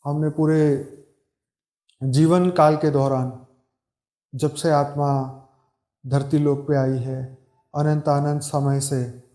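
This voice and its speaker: A man speaking as a meditation guide, calm and soothing, giving slow, repetitive instructions with long pauses in Hindi. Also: mid-range voice. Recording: roomy echo with background music. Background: meditation music.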